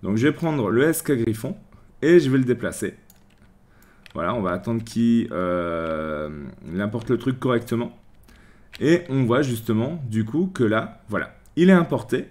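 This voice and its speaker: A man from France hosting a screen-recorded software tutorial, chatty, with many restarts, walking through each click. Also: mid-range voice, lively intonation, moderate pace. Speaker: tutorial host.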